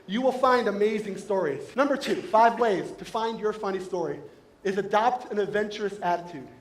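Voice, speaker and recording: A man's voice: sits high, normal speed, slight background noise. Playful male speaker in an echoey hall. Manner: playful, exaggerated comic voices for quoted characters. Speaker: motivational speaker. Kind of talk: humorous keynote talk. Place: event hall with live audience.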